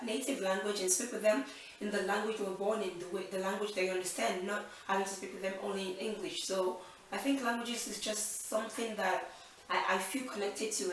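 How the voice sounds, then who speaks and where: A woman's voice: mid-range voice, heavy reverb, recorded from a distance, slight background noise, low-quality recording. A woman in her twenties from Nigeria hosting a casual Q&A vlog, chatty and upbeat, thinking aloud with fillers. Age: 20s. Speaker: channel host.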